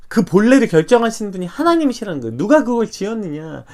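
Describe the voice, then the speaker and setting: A man preaching a morning devotional sermon, animated and full of rhetorical questions. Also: sits high, quick pace. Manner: animated, acts out quoted dialogue, rhetorical questions. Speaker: pastor.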